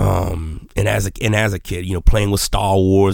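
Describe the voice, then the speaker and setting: This man's speech moves along at a moderate pace. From Texas. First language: Spanish. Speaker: podcast host and university academic. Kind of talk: personal life story monologue. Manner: casual, laughing often.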